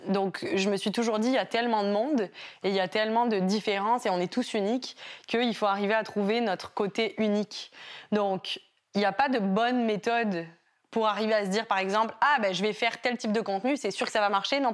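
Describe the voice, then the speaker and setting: Young woman guest, hybrid French-Québécois accent, lively storyteller. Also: mid-range voice. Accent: mix of French and Québécois. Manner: animated storytelling, acts out quotes. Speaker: YouTuber guest. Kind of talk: casual interview talk.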